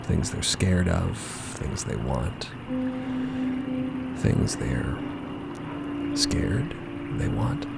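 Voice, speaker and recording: An actor playing a subdued, vulnerable man in mourning, confiding haltingly in an audio drama. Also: rumbling low, lively intonation, vocal fry, heavy background noise, full character voice. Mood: sombre confession. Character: subdued, vulnerable young man, grieving a mentor.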